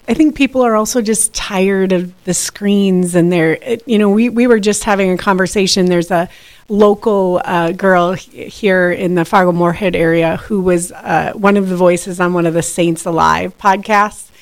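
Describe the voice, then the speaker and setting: A woman's voice: lowish voice, fairly even intonation, moderate pace. A woman hosting a Catholic radio talk show, introducing segments and guests in a friendly way with some fillers and restarts. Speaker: radio host and executive director.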